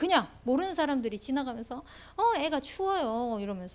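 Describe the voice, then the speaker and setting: A woman at a moderate pace with very wide pitch swings, in a Gyeongsang accent. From Gyeongsang region, South Korea. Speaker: pastor. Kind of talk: sermon. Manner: conversational.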